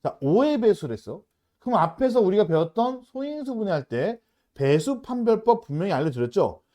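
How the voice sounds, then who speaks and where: A man's voice: high voice, very animated, brisk, warm tone. A man teaching a math lesson, often checking in with his students and moving between polite and casual speech. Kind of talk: lecturing at a whiteboard.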